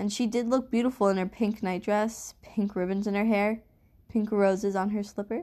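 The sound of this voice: Someone reads in an unforced reading voice, keeping the intonation fairly even.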